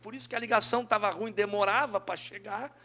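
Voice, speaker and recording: A man's voice: high voice, steady tone, fast talker, pushed and bright. A middle-aged man from southern Brazil with a Gaúcho accent, a businessman and pastor giving a fervent spoken testimony at a dinner event and talking straight to his listeners. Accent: Gaúcho Brazilian Portuguese. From Rio Grande do Sul, Brazil. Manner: fervent, acts out dialogue, addresses listeners directly.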